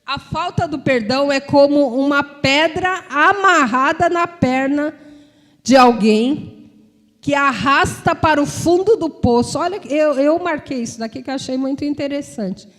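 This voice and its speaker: A woman with a high, fairly bright voice speaks a little slowly, giving a conversational sermon to a congregation and online viewers. She is a preacher and psychologist whose informal, repetitive delivery often checks in with listeners through frequent tag questions. A large hall lends the recording a long reverb.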